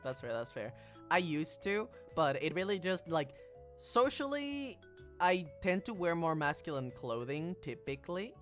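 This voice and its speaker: A woman's voice: fairly low pitch, big pitch swings, a little slow, faint music behind. A trans woman hosting a casual stream chat, who repeats her phrases and laughs often. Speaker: VTuber streamer host.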